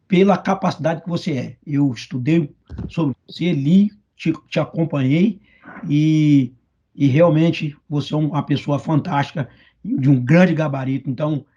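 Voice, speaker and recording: Husky, very polite male interviewer. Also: fairly high pitch, mellow, highs cut off. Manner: effusively polite, formal. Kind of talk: formal interview questions.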